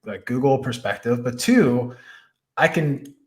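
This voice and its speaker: A man's voice: mid-range voice, animated, unhurried, darkish tone. A man hosting a podcast, chatting casually with a guest, with lots of fillers and restarts. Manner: conversational, many fillers and restarts. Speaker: podcast host. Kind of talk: casual interview chat.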